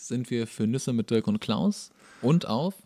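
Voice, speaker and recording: A man co-hosting a podcast in casual comedic chat, joking dryly with a deadpan delivery. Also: mid-range voice, unhurried. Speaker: podcast co-host.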